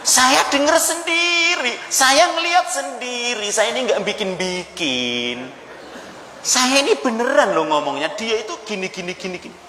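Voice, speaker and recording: A defensive, indignant gossip who swears every word is true, as a man puts her on. The voice jumps up high and sounds protesting. It echoes through a large mosque hall. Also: expressive, normal speed, bright, forceful tone, slight background noise, full character voice.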